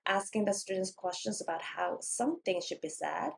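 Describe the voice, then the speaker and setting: A woman lecturing on English teaching methods, explaining in Korean and reading English definitions slowly, sometimes acting out a teacher and a student. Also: mid-range voice, animated, gravelly. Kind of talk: recorded lecture.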